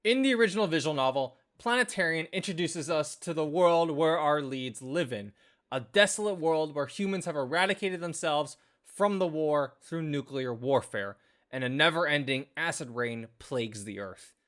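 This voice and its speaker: A man's voice: a little high, lively intonation, moderate pace, fairly bright tone. A man reading a scripted anime video review as a reviewer, with music playing behind him. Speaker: anime and visual novel reviewer. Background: background music.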